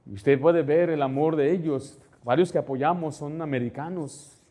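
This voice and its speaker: A male pastor delivers a conversational sermon in a fairly high voice at a moderate pace, asking the congregation to follow along in the text and growing louder whenever he stresses a point.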